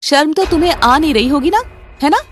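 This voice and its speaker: A woman voicing a cheerful, earnest young married woman in an animated story, her tone bright and pleading. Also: sits high, brisk, slight background noise. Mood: angry.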